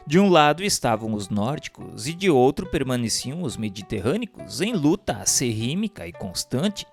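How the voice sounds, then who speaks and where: A man with a Brazilian accent giving a solemn scripted narration of a spiritual text, in a formal, declamatory manner. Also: mid-range voice.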